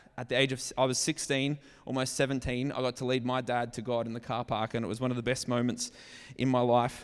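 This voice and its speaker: Speaking very fast with an Australian accent, a man at medium pitch comes through on a very clean recording with a silent background. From Queensland, Australia (Sunshine Coast). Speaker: lay preacher. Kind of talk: sermon. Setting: church.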